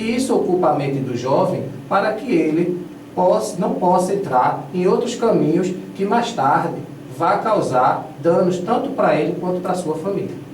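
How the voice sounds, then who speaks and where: A man talks in a high voice, at a moderate speed with lively intonation, while noticeable background noise and audible room echo fill the recording. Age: 30s. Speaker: teacher and candidate. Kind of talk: radio debate. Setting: radio studio.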